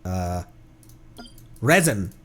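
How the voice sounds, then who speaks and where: Excitable man streaming games, very animated pitch. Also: extremely slow, a little hiss or hum. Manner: excitable, rambling. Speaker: game streamer. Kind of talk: casual live gaming commentary.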